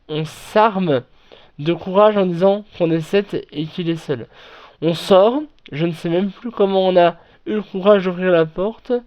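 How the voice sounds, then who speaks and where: A man reading internet horror stories aloud and then commenting on them, in a halting way with frequent restarts and self-corrections. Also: high voice, darkish tone. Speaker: online horror story narrator. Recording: dull lo-fi recording.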